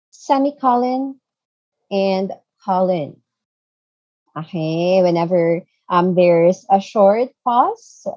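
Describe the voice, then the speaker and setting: A woman's voice: mid-range voice, a little mellow, highs cut off. A woman teaching an online English grammar lesson, patient, often checking in with "okay" and "so there.". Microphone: video call.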